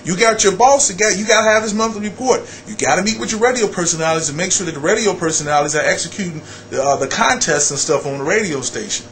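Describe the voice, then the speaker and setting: A middle-aged American man talking casually as an interview guest, blunt and animated, repeating phrases for emphasis. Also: high voice, fast, few pauses, a little hiss or hum. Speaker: radio personality and program director, interview guest.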